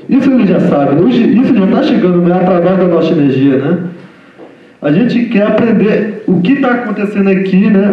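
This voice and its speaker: Guy speaking as guest at a lecture, halting, keeps tagging phrases, high voice, echoey far-off mic. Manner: halting, repeats "né?" constantly. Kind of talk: informal lecture talk. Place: lecture room. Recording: echoey hall from far off, dull sound.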